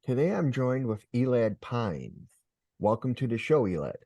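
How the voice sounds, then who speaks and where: A man's voice: medium pitch, sing-song, normal speed, dark tone, no room sound, lo-fi sound. Man hosting, dry close sound. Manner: plain, direct questions. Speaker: podcast host. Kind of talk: interview hosting.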